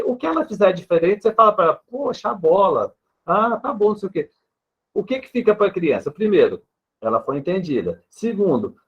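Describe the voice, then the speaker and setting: A Brazilian man with a somewhat high voice talks through a speech therapist's answers in an interview. He is patient and steady and keeps checking in with "né" as he gives examples. The sound is dull and lo-fi. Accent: Brazilian Portuguese. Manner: patient, explains with examples and frequent "né".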